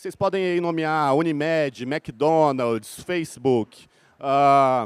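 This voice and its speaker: A man speaks in a strong Minas Gerais accent with a fairly high pitch. The recording is very clean, with a silent background. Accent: strong Minas Gerais (mineiro). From Minas Gerais, Brazil. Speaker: corporate culture consultant, founder. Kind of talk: conference talk. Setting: stage with audience.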